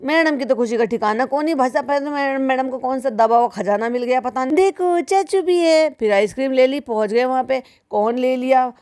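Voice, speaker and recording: Woman reaction commentator with a higher voice, sarcastic and scolding, talks straight to the listener. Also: fairly even intonation, fairly quick, few pauses, darkish tone. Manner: sarcastic, scolding, mimics the people she mocks; keeps addressing the listener as "bhai sahab".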